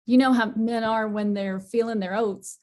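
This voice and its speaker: Woman as a plainspoken miner's wife, higher mellow voice, wry, tough, drama table read. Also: steady tone, normal speed, natural voice. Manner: wry, colloquial.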